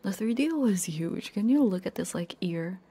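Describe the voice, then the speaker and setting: A woman chatting casually to viewers as an ASMR streamer, in a soft, often whispered voice with a playful manner, very close to a binaural microphone. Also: mid-range voice, lively intonation, normal speed, breathy edge. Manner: playful, giggly. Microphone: close binaural ear microphone.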